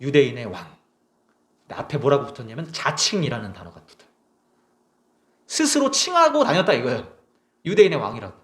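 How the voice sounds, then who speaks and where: A man's voice: medium pitch, sing-song, fairly quick, pauses often, fairly bright tone, roomy sound. A young man preaching a sermon as a pastor, emphatic and full of rhetorical questions. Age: young adult. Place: small church.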